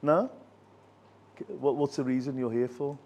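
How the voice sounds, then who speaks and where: A man's voice: mid-range voice, level tone, normal speed, dark tone, muffled recording, a little hiss or hum. An older man with an English accent, giving a chatty, joking talk to students and slipping between English and Bengali. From England. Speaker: visiting education counselor and professor.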